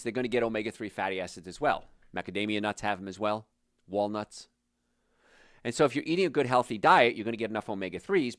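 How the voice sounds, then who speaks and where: A man's voice: on the low side, a bit bright, no echo, clean studio sound. A middle-aged man hosting a health talk, speaking plainly and emphatically straight to the viewer. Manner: plain-spoken, emphatic, addresses the viewer directly. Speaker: health show host. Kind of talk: direct-to-camera health talk.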